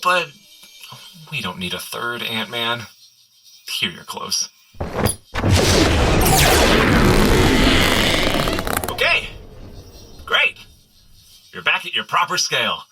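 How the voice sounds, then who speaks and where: An actor playing an excitable, joking superhero in a comedy audio adventure, speaking in an animated, exclaiming way. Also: male voice, mid-range voice, slow pace, pauses often, over loud music. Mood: cheerful.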